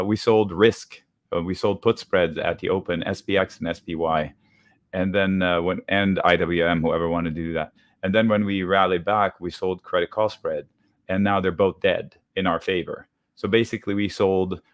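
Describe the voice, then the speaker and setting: A man who sounds a bit under the weather, giving a brisk step-by-step walkthrough of his options trades as a guest on a live market show over a video call. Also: low voice, dry recording, studio quality. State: deep voice from a cold.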